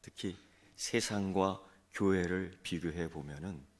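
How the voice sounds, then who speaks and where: A male pastor preaching a sermon, telling a story in a lively way and acting out its voices. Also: low-pitched, slow pace.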